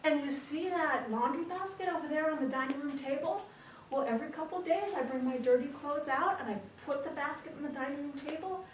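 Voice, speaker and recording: A woman storyteller voicing a confident, clueless young husband with wide-eyed excitement. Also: sits high, rapid-fire, hardly any pauses, voice pushed up, lightly acted. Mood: awed, excited. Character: cocky, lazy, clueless young husband, a video-game slacker. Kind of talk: comic storytelling. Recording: echoey room, distant mic, some noise.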